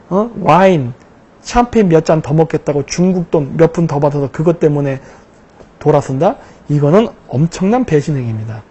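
A man giving a lecture-style political commentary over slides, posing rhetorical questions and answering them himself with emphatic, drawn-out stresses. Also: on the high side, mellow, slightly rough.

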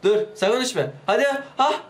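A gaming YouTuber gives excitable let's play commentary while sick, pleading with and yelling at his game character as his voice threatens to give out. He speaks unhurriedly in a high-sitting voice.

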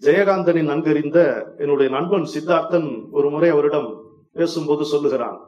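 A man giving a formal, oratorical stage speech at an event, emphatic and swelling to loud passages. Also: a little high, normal speed, muffled recording. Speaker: speaker at an inauguration event. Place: event hall. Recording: echoey hall, voice far from mic.

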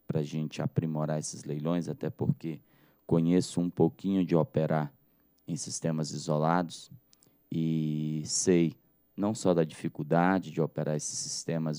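A Brazilian man with a Brazilian Portuguese accent, an agency director giving measured formal remarks over a video call, repeating phrases and restarting often. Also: extremely low pitch, warm tone, no room sound, studio quality.

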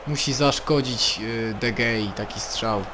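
A man giving play-by-play commentary on his own video game, turning excitable and shouting player names at big moments. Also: medium pitch, a little slow, noisy background. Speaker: gaming channel host.

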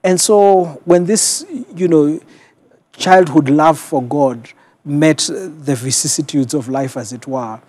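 A middle-aged man with a Kenyan accent, a pastor talking reflectively and in a measured way as an interview guest. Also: a little high, darkish tone, dry recording. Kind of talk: conversational television interview, personal storytelling. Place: television studio. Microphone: lapel mic.

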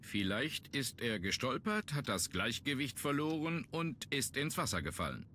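Police inspector, medium pitch, very varied intonation, probing, matter-of-fact, adventure game. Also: male voice, very animated, moderate pace, sharp tone, slight background noise. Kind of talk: German video game voice acting.

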